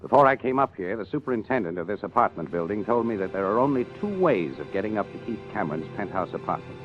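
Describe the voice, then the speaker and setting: Man playing a deep, probing police inspector. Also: expressive, close to an everyday voice. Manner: measured questioning, pointed and authoritative. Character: methodical, probing male police inspector, politely skeptical. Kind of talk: 1950s detective radio play acting. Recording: dull lo-fi radio drama with music.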